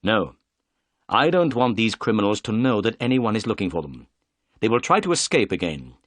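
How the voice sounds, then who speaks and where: A man reading the lines of a calm, clever detective in a brisk, polite, measured way. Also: lowish voice, no room sound.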